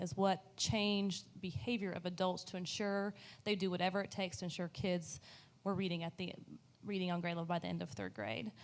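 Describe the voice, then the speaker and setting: A woman's voice: medium pitch, a little mellow. Earnest woman explaining policy on a panel. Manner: earnest, explanatory, frequent fillers and restarts. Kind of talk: panel discussion.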